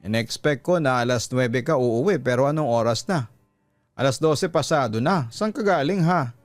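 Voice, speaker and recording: A man's voice: medium pitch, expressive, moderate pace, no room sound, lightly acted. Man voicing a jealous, sarcastic Filipino wife. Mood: accusing. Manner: sarcastic, accusing, pointed. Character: jealous, sarcastic wife confronting her husband. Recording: music bed behind close dry voice.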